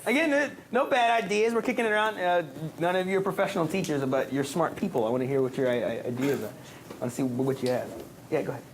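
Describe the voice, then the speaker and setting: A man's voice: fairly high pitch, quick pace, noisy background. An American man speaking as a teacher leading an informal class discussion in an encouraging way.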